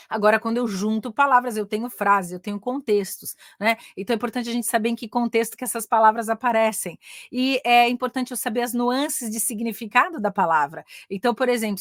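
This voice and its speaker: Her voice slightly bright and on the high side, a middle-aged Brazilian woman with a Brazilian Portuguese accent teaches English and offers career mentoring in a casual online lesson. She is talkative, keeps tagging sentences with "né?", and drives her points home eagerly. The studio-quality recording has no room sound.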